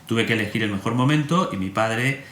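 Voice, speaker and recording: A man, a priest, telling a personal story in an animated way and acting out remembered conversations. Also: fairly low pitch, fairly quick. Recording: roomy echo, faint room hum.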